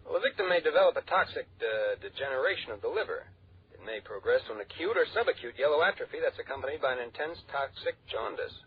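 A young doctor explains poisoning in brisk, clinical terms and talks very fast, as an actor plays him. The sound is dull and muffled with a faint hiss behind it, like an old radio broadcast. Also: male voice, mid-range voice, lively intonation, close to an everyday voice. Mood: explaining. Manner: brisk, clinical, then uneasy. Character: earnest young male doctor. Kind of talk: 1960s radio drama acting.

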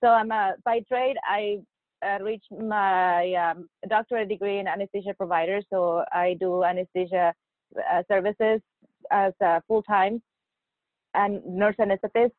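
A woman's voice: mid-range voice, steady tone, a little slow, dry recording. A woman, a podcast guest who speaks hesitantly and laughs often. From Mexico. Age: 40s. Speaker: guest, nurse anesthetist. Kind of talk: podcast interview. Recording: dry tinny phone-like line.

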